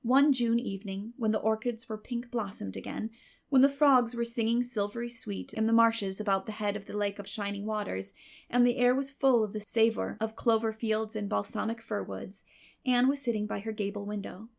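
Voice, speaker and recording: Creaky-voiced woman narrating a novel. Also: mid-range voice, fairly even intonation, normal speed. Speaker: audiobook narrator. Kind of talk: scripted literary narration, dramatic reading.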